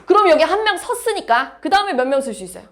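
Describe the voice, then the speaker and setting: A woman's voice: very high-pitched, big pitch swings, quick pace, a bit bright. A woman math teacher lecturing a class, explaining step by step and asking her students questions.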